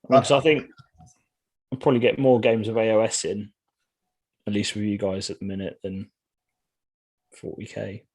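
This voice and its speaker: A man's voice: fairly low pitch, level tone, normal speed, pauses often, a little mellow. Easygoing man chatting casually. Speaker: podcast co-host. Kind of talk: casual chat.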